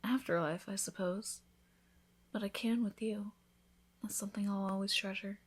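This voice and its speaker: Breathy, tender vampire wife voiced by a woman. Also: mid-range voice, fairly even intonation, moderate pace, lightly acted. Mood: loving. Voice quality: soft, breathy, often whispered. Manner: intimate, reassuring, affectionate. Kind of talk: ASMR romantic roleplay.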